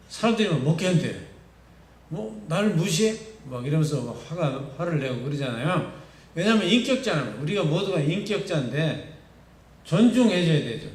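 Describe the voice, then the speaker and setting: A male pastor with a Gyeongsang accent giving a youth sermon, speaking conversationally and often putting questions to the listeners. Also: a little high. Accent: Gyeongsang Korean. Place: church sanctuary. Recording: echoey church hall, distant mic.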